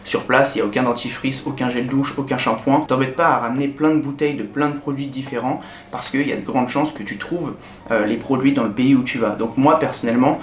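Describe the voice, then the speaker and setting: A young French man in a casual vlog, chatting directly to the viewer in a relaxed way with many hesitations. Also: medium pitch. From France. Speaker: vlogger. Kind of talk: casual talk to camera. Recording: echoey room with faint ambient noise.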